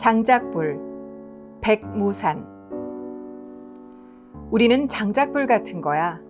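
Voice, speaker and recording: A woman speaks at a very slow pace with long, frequent pauses. Music plays in the background. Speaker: radio announcer. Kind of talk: poetry reading.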